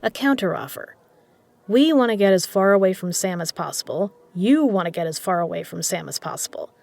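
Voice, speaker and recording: Casting: actress for a shrewd underground casino boss and poker legend, medium-pitched, measured and persuasive, for an audio drama. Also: female voice, animated, vocal fry, a little mellow. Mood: resolute, persuasive. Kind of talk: scripted audio drama dialogue.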